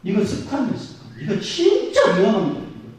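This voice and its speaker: A middle-aged man preaching a Sunday sermon as senior pastor. He swings between loud exhortation and quiet asides, and acts out the grumbling voices of the people he quotes. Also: high voice, wildly swooping pitch, fast. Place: large church sanctuary. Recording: very echoey sanctuary, voice from far off.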